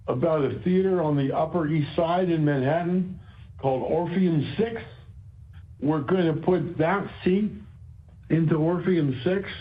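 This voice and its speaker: A man speaking as a company executive on an earnings call, explaining in a halting way and repeating phrases for emphasis. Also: a little high. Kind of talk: earnings call remarks, semi-prepared explanation. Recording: dull, band-limited conference call audio.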